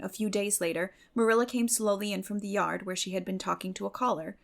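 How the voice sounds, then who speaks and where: Creaky-voiced woman narrating an audiobook. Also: medium pitch. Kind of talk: dramatic scripted narration.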